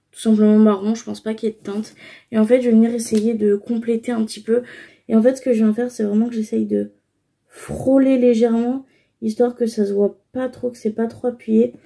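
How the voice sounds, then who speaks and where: A woman's voice: fairly high pitch, gravelly, dark tone. A young woman casually talking through her makeup routine, explaining each step with frequent fillers. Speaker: beauty vlogger.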